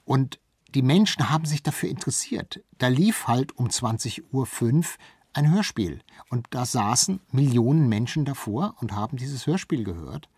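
A man's voice: mid-range voice, expressive, normal speed, a little mellow, breathy edge, dry recording. A man speaking as an expert guest in a conversational interview, explaining and repeating words for emphasis.

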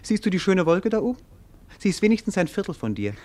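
A man's voice: high-pitched, very animated, fast talker, a little mellow. A man playing a melancholy, dreamy young prince in a classic radio play, lyrical and languid with wry irony. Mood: mocking.

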